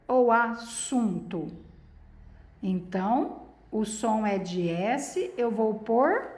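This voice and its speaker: A woman teacher giving a spelling lesson, explaining each rule step by step in a slow, patient way. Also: fairly high pitch, darkish tone, roomy sound.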